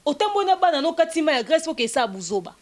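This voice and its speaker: A woman hosting a casual web show, talking in an indignant, animated way and mixing French with Lingala. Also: high-pitched, fast. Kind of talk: casual chat.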